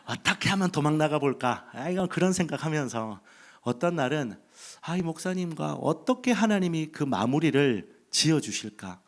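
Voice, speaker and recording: A male pastor from Busan preaches into a handheld mic in a church, with a lively voice that rises and falls a lot. He spins a funny story and acts out his own past thoughts, keeping the room engaged. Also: fairly high pitch, normal speed. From Busan, South Korea. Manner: humorous storytelling with acted inner thoughts. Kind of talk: sermon. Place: church sanctuary.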